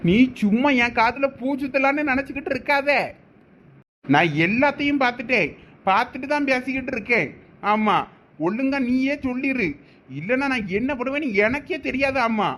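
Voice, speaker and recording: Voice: high voice, animated, normal speed, fairly bright tone. Stern angry village father. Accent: Thoothukudi Tamil. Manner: threatening, stern commands. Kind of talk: cartoon voice acting.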